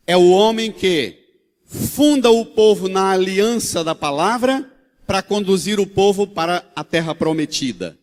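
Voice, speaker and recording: Priest preaching in a reverberant church. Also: male voice, high voice. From Brazil. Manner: storytelling, animated, with colloquial asides. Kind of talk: sermon. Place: large church. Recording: long hall reverb.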